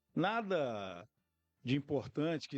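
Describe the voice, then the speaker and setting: Here a man speaks with a fairly high pitch. His voice makes very wide pitch swings. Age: 60s. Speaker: cardiologist. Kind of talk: casual interview. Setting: live-streamed podcast studio.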